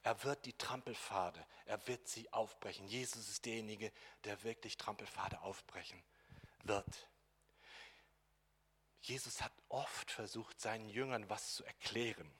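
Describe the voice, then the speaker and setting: A man preaching a sermon, moving between quiet, intimate lines and loud, emphatic passages, acting out quoted dialogue. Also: fairly low pitch, measured pace, slightly rough. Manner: acts out quoted dialogue in voices.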